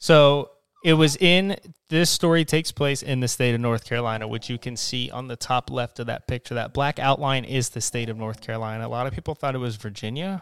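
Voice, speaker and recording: Fairly quick and with ordinary pitch variation, a man speaks in a dry, close sound with no echo. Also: medium pitch for a man, very clean recording, silent background. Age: 20s. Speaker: podcast host, new father. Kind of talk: casual chat.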